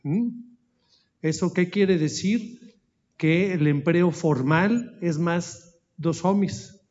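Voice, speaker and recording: A man who speaks Portuguese as a second language, with a Spanish accent and Spanish mixed in, gives a formal slide presentation at an anniversary event, pausing often to search for words. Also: high voice, darkish tone. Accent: Spanish-speaking, mixing Spanish into Portuguese. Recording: dull lo-fi audio.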